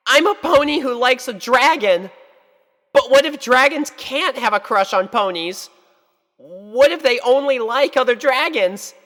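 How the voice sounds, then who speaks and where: A woman's voice: high-pitched, fairly bright tone, big-room sound, pitched above the performer's own voice. A woman voicing an anxious, lovestruck young pony filly, speaking in an earnest, hesitant and emotional way.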